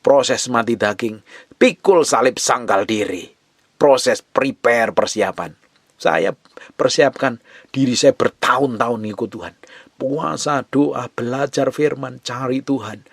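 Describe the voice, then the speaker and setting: Impassioned pastor preaching up close. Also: male voice, medium pitch, slow, vocal fry, dry recording. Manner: swings from loud urgent exhortation to soft hushed pleading. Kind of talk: sermon.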